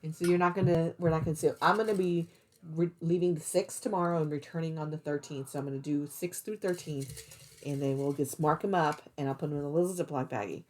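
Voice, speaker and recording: A woman's voice: sits low, fairly even intonation, fast, a little mellow. A woman hosting a craft vlog, chatting casually in a rambling way and thinking aloud as she goes. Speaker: cross-stitch vlog host. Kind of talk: casual rambling chat to camera.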